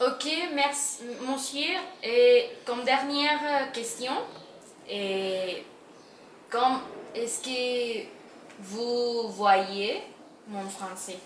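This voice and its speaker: A woman with a strong Spanish accent and a high pitch speaks at a very slow pace with long, frequent pauses, ordinary pitch variation and big swings in loudness, amid audible room echo and noticeable background noise. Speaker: language student interviewer. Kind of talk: interview.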